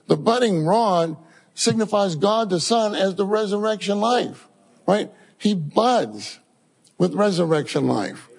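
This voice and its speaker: A man preaching a sermon to his congregation, telling scripture stories in an animated way. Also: sits high, a little slow, vocal fry, slightly rough, long reverb tail. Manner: animated storytelling, addresses congregation as saints.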